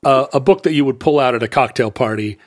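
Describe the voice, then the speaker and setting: Man, podcast co-host, halting speech full of restarts, dry close sound. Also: mid-range voice, dry recording. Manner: halting, many restarts and fillers. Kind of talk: casual conversation.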